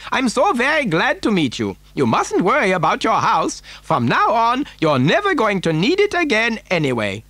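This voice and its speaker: A man voicing an eccentric, imperious and excitable chocolate factory owner in a storybook, with theatrical, emphatic delivery. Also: sits high, normal speed, hardly any pauses, no room sound, pitched above the performer's own voice, full character voice. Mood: breezily cheerful.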